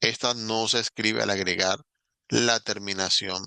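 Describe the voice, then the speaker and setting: Guy teaching english, gravelly lowish voice, bright, dry close sound, patient, slows down on examples. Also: steady tone, no echo. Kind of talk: recorded online lesson explaining grammar.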